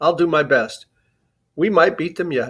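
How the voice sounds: Putting on a character voice, a man speaks at a fairly slow pace with a fairly high pitch and ordinary pitch variation. His tone is fairly bright with a slightly husky edge.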